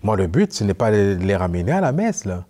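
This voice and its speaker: A man's voice: lowish voice, brisk. A young man from Quebec, a newly ordained priest, telling anecdotes in a casual interview and acting out the dialogue. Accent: Quebec French. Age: young adult. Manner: animated, acts out dialogue in anecdotes. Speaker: priest guest.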